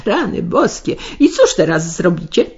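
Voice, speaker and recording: A woman voicing a loud, brash working-class woman visitor who talks in shrill exclamations, on a slightly muffled radio recording. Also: sing-song, normal speed, slightly rough. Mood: scolding.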